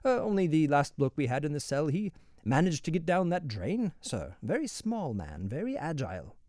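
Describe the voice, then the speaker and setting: A man's voice: on the high side, very animated, normal speed, darkish tone, no echo, studio quality. A man voicing a cheerful, rambling prison warder who keeps calling people sir, his voice lifted above his own. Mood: chatty. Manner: rambling, deferential, says "sir" constantly. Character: cheerful chatty male prison warder, polite.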